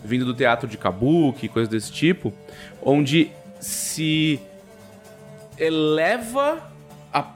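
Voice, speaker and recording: Brazilian man, slightly high-pitched, opinionated chat. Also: animated, slow pace, faint music behind. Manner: emphatic, with frequent check-in tags. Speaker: podcast co-host. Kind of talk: casual, opinionated podcast chat.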